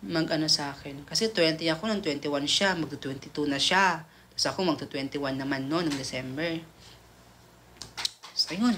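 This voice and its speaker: A man's voice: fairly high pitch, moderate pace, pushed and bright, a little hiss or hum. A gay man of twenty-one, host of a livestream, rambling through a story to his viewers with many fillers and restarts. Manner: camp, calls viewers "bakla".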